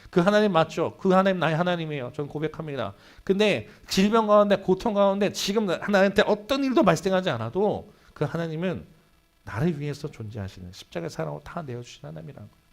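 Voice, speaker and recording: Guy preaching sunday sermon in church, voice jumps up and down a lot, goes loud then real quiet. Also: on the high side, fast talker. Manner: animated storytelling, swinging between loud and hushed. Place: church sanctuary.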